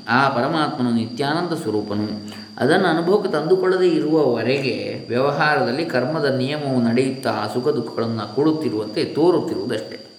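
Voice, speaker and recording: A man reading a philosophical teaching aloud at a measured pace, slowing down to chant scripture verses. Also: medium pitch. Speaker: reader of a spiritual text. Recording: roomy echo, faint hiss.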